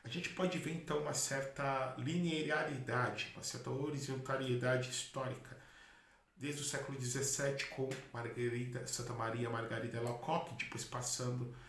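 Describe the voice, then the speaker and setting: Catholic priest preaching in an echoey room. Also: male voice, mid-range voice, little pitch movement, normal speed, fairly bright tone. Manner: chatty storytelling with asides. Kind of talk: sermon. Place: in Spain. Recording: echoey room with faint noise.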